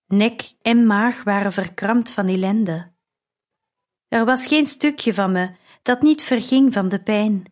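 Slow, earnest woman narrating an audiobook. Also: mid-range voice, a little mellow. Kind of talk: first-person audiobook narration.

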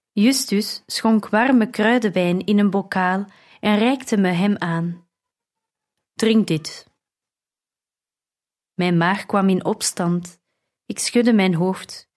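A woman reading a first-person audiobook in a measured, earnest way. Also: medium pitch, darkish tone. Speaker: narrator.

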